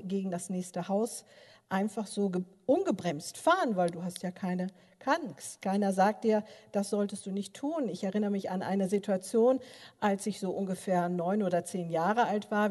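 Older woman, lay preacher in a church, lively storyteller with lots of filler sounds, long hall reverb. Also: mid-range voice. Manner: animated storytelling, many filler sounds, addresses listeners directly. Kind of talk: sermon with personal stories.

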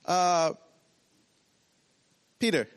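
Animated preacher man in a reverberant hall. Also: high-pitched, drawn-out words, smooth. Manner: animated, acts out scenes in short broken phrases. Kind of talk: sermon.

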